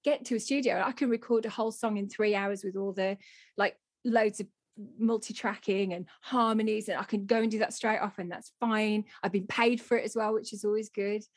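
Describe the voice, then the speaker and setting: A woman in her thirties with a Black Country accent, co-hosting a podcast and telling stories in a chatty, animated, self-mocking way. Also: mid-range voice, fairly quick, dry recording, clean studio sound. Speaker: podcast co-host. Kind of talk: casual chat.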